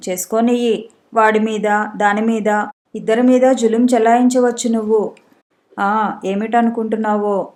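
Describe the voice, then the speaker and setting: A woman's voice: a little high, a little mellow. A woman narrating a storybook and reading the characters' dialogue with some expression. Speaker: audiobook narrator.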